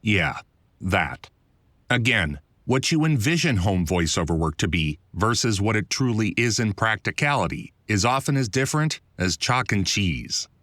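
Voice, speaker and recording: With a very animated delivery at normal speed, a man reads his own nonfiction audiobook as scripted narration, wry, articulate and conversational. He is the author and a voiceover producer, speaking close to a studio voiceover mic. His voice is fairly low and fairly bright, with no echo.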